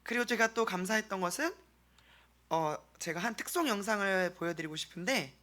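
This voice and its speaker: A man from South Korea presenting an earnest mission-trip testimony to a congregation as a church member, speaking haltingly with pauses. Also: high voice, lively intonation, pushed and bright.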